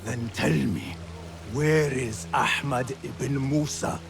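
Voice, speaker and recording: A man playing a respectful, earnest young Arab assassin in a video game, with formal, measured speech. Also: medium pitch, gravelly, music in the background. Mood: stern, demanding. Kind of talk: video game cutscene acting.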